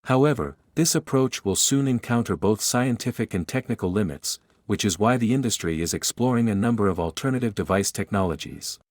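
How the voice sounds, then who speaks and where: A man's voice: lowish voice, expressive, brisk, hardly any pauses, dry recording. A man reading a prepared passage aloud as an exam practice example. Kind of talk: scripted read-aloud.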